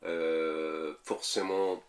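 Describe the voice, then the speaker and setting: A man's voice: extremely low pitch, little pitch movement, extremely slow. A man in his thirties from Italy, speaking French with an Italian accent, answering interview questions hesitantly with many fillers and repeated words. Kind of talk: casual interview talk.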